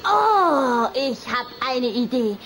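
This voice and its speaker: Little vampire girl: high, slow-spoken, playful gossip with a jealous edge, children's audio drama. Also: sing-song, noisy background, heavily acted. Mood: excited, mischievous. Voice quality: girlish. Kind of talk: children's radio play acting.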